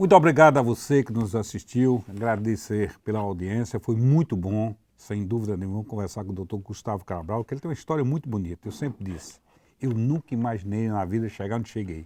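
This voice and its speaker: Over a quiet background, a man speaks in a dark, mellow tone at a fairly low pitch. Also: ordinary pitch variation, fairly quick pace. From Bahia sertão, Brazil. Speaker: politician, show host. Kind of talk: interview talk show.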